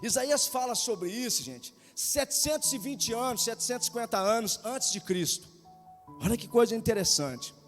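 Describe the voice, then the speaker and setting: High-voiced man preaching impassioned sermon. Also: lively intonation, normal speed, fairly bright tone. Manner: impassioned, rhetorical questions to the congregation. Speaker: pastor. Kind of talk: Pentecostal sermon. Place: church sanctuary. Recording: long church reverb, faint music.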